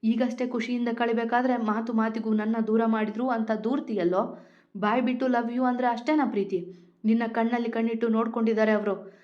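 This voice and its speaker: A woman's voice: on the high side, level tone, fairly quick, lightly acted. A woman voicing a tearful older wife and mother who pleads and scolds. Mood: tearful scolding. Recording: lo-fi recording.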